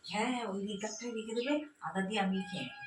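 A woman's voice: medium pitch, quick pace, recorded from a distance, music in the background. A woman talking offhandedly while doing chores in a kitchen. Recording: echoey, off-mic, loud noise and running water.

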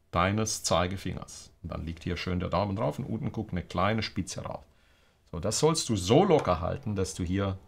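A man teaching a guitar lesson, explaining strumming rhythms and counting the beats aloud. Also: on the low side. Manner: counts beats aloud and sings snippets of rock songs while explaining. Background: guitar playing.

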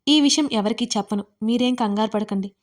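A woman voicing a frightened, tearful but stubborn young bride who pleads softly in an audio storybook. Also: fairly high pitch, a little fast, lightly acted. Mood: pleading, tearful.

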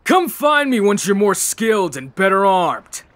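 A man's voice: high-pitched, sing-song, unhurried, a bit bright, no room sound, full character voice. Man as cocky, drawling swordsman villain. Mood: taunting. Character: cocky, battle-hungry master swordsman villain. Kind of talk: fan dub of anime game.

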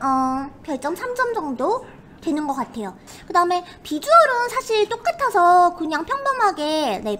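A woman hosts a casual snack review with a cutesy, very high voice. Her delivery is polite and animated, swinging freely in pitch, over faint background noise. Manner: polite, perky, refers to herself by name. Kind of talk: casual livestream commentary.

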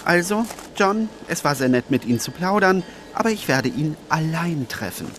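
A man's voice: a little high, big pitch swings, normal speed, a bit bright, slight background noise. A man playing a cagey, prickly newspaper reporter in a crime audio drama, defensive and smug. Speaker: voice actor.

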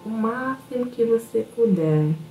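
A woman with a Brazilian Portuguese accent guiding a self-hypnosis meditation in a slow, soothing, instructive way. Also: on the high side, animated. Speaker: hypnotherapy guide. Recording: roomy echo with soft music behind.

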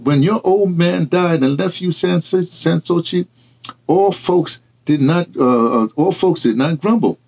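A man reading aloud and voicing a stern, blunt man lecturing his friend, emphatic and halting. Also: mid-range voice, very animated, gravelly, darkish tone, husky, full character voice.

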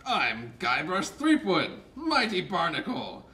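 A man doing a jolly deep-sea barnacle. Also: wildly swooping pitch, slow pace, sharp tone, full character voice. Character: boastful deep-sea barnacle, cheery filter feeder. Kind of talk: live puppet show. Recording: distant mic with faint noise.

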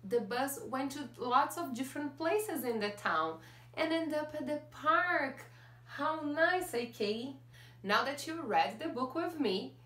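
A woman's voice: on the high side, fairly bright tone. A young woman teacher reading a picture book aloud to children and singing along, cheerful and sing-song, recorded in front of a camera in a small classroom corner.

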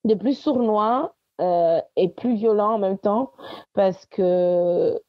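A woman's voice: mid-range voice, takes it slowly, no echo. A woman from Italy, speaking French as a podcast guest and sharing personal testimony in conversation. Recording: dry, dull lo-fi sound.

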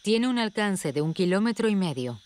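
A woman's voice: mid-range voice, sing-song, normal speed, a little mellow. A woman reading scripted narration for a nature documentary. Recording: music behind the voice. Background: documentary music.

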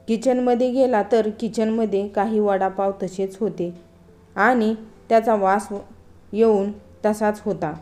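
Woman storyteller, mellow tone, steady earnest narration. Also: medium pitch.

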